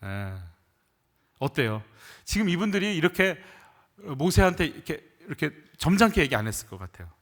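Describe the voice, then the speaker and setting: Lively high-voiced male pastor preaching. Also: moderate pace. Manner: conversational preaching, rhetorical questions to the congregation; rising into emphatic bursts when voicing complaints. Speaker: senior pastor. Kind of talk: sermon.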